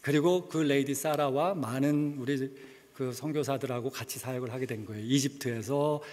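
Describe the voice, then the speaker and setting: A man's voice: mid-range voice, moderate pace, darkish tone. A middle-aged man, a missionary, giving a conversational sermon with personal testimony and dropping English words into his speech. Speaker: missionary preacher. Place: church sanctuary. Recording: long church reverb.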